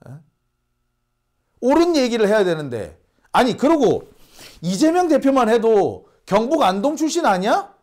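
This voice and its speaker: A man's voice: very high voice, very animated, normal speed, darkish tone. A man from Busan, hosting political commentary and ranting indignantly with rhetorical questions. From Busan, South Korea. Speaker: host.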